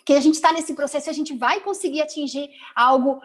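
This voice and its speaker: A Brazilian Portuguese-speaking woman teacher talking casually on a video call, chatty and expressive, with many rhetorical questions and quick asides. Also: high voice. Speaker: teacher, invited guest. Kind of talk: casual web conference talk.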